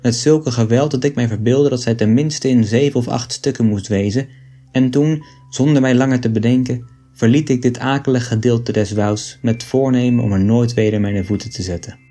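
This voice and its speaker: Man reading in a dark, mellow voice. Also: medium pitch, normal speed, faint music behind. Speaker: reader of an old book. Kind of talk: scripted narration of an 18th-century text.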